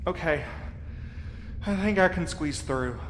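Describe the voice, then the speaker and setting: A man's voice: on the high side, lively intonation, slow, very noisy. A man acting an earnest, determined leader of a group of friends in a naturalistic audio drama, speaking in a matter-of-fact, encouraging way. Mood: intent, searching.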